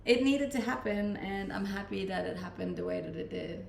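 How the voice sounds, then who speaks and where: Danish-accented female streamer, gravelly, chatty and self-deprecating, echoey room with faint noise. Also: medium pitch, moderate pace. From Denmark. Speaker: Twitch streamer. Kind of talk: casual live-stream chat, reading out and answering viewer comments.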